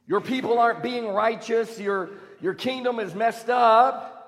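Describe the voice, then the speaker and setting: A man voicing an exasperated prophet who loudly complains to God in casual modern words, heard in a reverberant room. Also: very high-pitched, unhurried. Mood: pleading. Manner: loud, pleading, casual modern speech. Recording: long church reverb.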